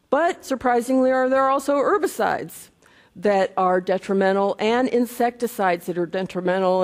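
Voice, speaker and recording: Casting: woman scientist, mid-pitch, chatty lecture in a reverberant conference hall. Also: a little mellow. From United States. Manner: conversational, frequent okay and restarts. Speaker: conference speaker, entomologist.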